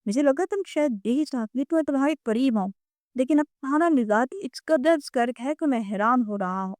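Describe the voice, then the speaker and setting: A woman's voice: mid-range voice, fairly even intonation, warm tone, no echo, studio quality, lightly acted. A woman reading the part of a brooding, irritable husband who speaks bluntly. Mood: bitter. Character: man, brooding wealthy husband.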